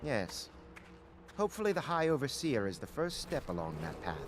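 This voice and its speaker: An actor playing a haughty, self-assured aristocratic conspirator with a formal, dry delivery in a video game. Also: male voice, medium pitch, wildly swooping pitch, moderate pace, faint music behind. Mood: dry, impatient. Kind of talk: scripted video game dialogue.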